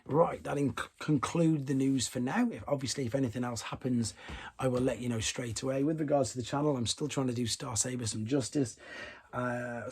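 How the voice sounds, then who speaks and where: A man with a fading, hoarse voice, hosting a casual toy news roundup and rambling through asides and self-corrections. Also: medium pitch, darkish tone. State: losing his voice. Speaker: toy collecting channel host.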